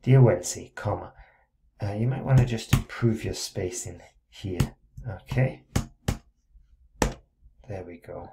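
Slow and creaky, with long pauses, a fairly low male voice works through a student's letter in an essay correction screencast, set against heavy background noise. He reads the text aloud and stops to correct it, regularly checking in and encouraging the student.

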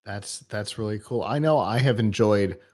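A man with a somewhat low voice hosts a tech show interview from a studio. He talks relaxed and conversational, stumbling through restarts and tossing in short acknowledgements. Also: moderate pace. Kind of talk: interviewing a guest. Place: studio with a screen behind.

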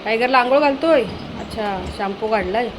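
A woman's voice: on the high side, fairly quick. Chatty woman vlogging at home, noisy. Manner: chatty, scolding. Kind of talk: casual home vlog chat.

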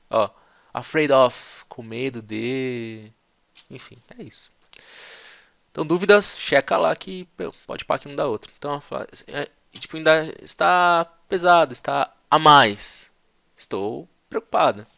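A Brazilian-accented man talks through an English lesson in a loose, slangy, conversational manner. His voice sits at an ordinary middle pitch, recorded dry and close with no room sound. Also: creaky, fairly bright tone, no room sound. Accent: Brazilian Portuguese. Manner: slangy, chatty, breaks into English imitations. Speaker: English teacher. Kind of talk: casual explanatory lesson.

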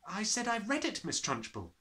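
A man voicing a quiet, polite, clever little schoolgirl in a children's storybook, speaking carefully. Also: high voice, wildly swooping pitch, moderate pace, voice pushed up, full character voice. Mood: quiet, matter-of-fact. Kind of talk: dramatised children's storybook reading.

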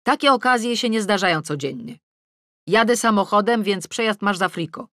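A woman narrator voicing a brisk, insistent woman friend in an audiobook, impatient and businesslike. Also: medium pitch, lively intonation, a bit bright, dry recording, clean studio sound, voice pushed up, close to an everyday voice.

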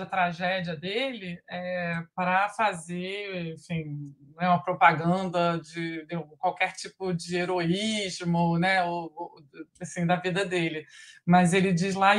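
A Brazilian woman in her forties, a biographer, talking thoughtfully from home over a video call, pausing often and restarting her sentences. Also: medium pitch. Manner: thoughtful, halting, many fillers and restarts. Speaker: biographer guest. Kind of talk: recorded video call conversation. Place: home living room with lamp. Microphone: laptop webcam video call.

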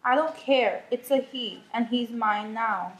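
A woman's voice: a little high, unhurried, lightly acted, poor audio. A young woman playing a bratty, stubborn little girl in an amateur puppet show. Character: bratty little girl who grabs a monkey. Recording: clear background noise.

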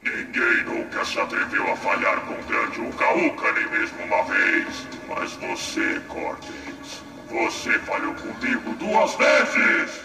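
Menacing, growling evil spirit mask. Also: male voice, mid-range voice, wildly swooping pitch, slow pace, creaky, few pauses, reverberant, heavily acted. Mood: accusing. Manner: grandiose, threatening. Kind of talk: dubbed video game cutscene acting. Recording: distant game audio under music.

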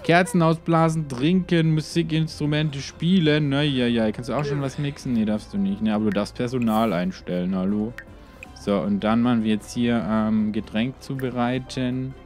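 Male let's player, mid-range voice, loose chatty commentary full of filler tags, soft music bed behind. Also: mid-range voice, steady tone, normal speed. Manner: chatty, rambling, talks to game characters; constant filler tags like "hier" and "ne".

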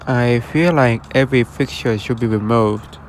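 A man talks chattily into a handheld phone camera while walking outside a shopping-center storefront. His voice sits at an ordinary middle pitch, and he addresses viewers plainly. Faint traffic hums in the background. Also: normal speed. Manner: chatty, matter-of-fact, addresses viewers directly. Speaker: vlogger exploring closed stores. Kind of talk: casual walkthrough commentary. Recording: faint outdoor traffic noise.

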